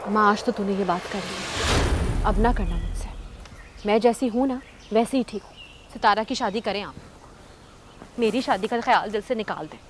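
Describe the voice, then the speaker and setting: A woman's voice: mid-range voice, normal speed, pauses often, background noise, close to an everyday voice. A woman playing a headstrong young daughter. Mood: firm. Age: young adult. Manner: playful, headstrong. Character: unmarried young woman, stubborn about marriage. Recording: music under dialogue.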